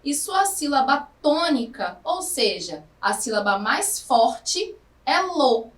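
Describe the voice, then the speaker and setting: A woman teacher with a Brazilian Portuguese accent giving a recorded lesson to adult students, speaking slowly and drawing out her words. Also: high voice, big pitch swings, a bit bright, recorded from a distance. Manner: slow, careful, drawn-out words. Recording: echoey room, somewhat off-mic.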